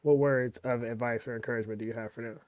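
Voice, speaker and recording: A man's voice: medium pitch, quick pace, dry recording. Male podcast host, laid-back, encouraging, dry close recording. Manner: relaxed, slangy, encouraging. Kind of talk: casual interview questions.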